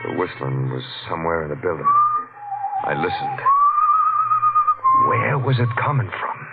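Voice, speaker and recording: An actor playing a tough, slangy police detective in a 1940s radio crime drama. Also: male voice, deep voice, huge pitch swings, a little slow, heavily acted. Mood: grim. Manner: clipped, slangy, hardboiled. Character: tough, slangy, edgy police detective narrating his case. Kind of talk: 1940s hardboiled radio acting, narration and dialogue. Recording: muffled old radio recording with loud music.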